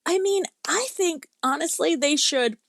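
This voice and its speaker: A woman's voice: very high voice, lively intonation, unhurried, creaky. A woman speaking as a guest author in a casual interview, talking in an earnest, rambling, tentative way.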